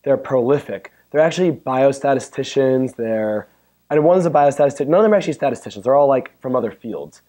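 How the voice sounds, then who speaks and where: A man with a hoarse, worn-out voice giving a chatty, joking technical talk at a conference and bantering with the audience. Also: mid-range voice, expressive, fast, dark tone. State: hoarse, losing his voice. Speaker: conference speaker. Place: conference room. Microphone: handheld or stand mic.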